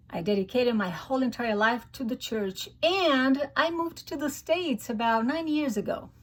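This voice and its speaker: Woman, middle-aged, Brazilian Portuguese accent, native Portuguese speaker, unhurried, earnest, hesitant restarts, talking to camera. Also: a little high. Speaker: YouTuber.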